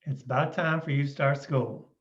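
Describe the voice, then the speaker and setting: A man's voice: mid-range voice, normal speed, highs cut off, close to an everyday voice. A man playing a tender, doting young coal miner father in folksy rural dialect at a script table read. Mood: gentle.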